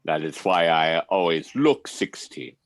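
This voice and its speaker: A man's voice: sits low, lively intonation, measured pace, no room sound, clean studio sound. A man playing an ancient, grave vampire who drawls dramatically as he reminisces in a comedy table read. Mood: grave, theatrical.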